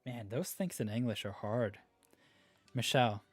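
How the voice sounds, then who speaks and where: A Norwegian man with a husky, mid-range voice hosts a gaming livestream at a measured pace, soft music playing behind him. He chats in a laid-back, rambling way while reading out viewer comments.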